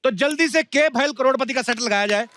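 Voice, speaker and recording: A man hosting a comedy show, teasing his guests with a quick wit. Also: very high voice. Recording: loud studio audience and noise.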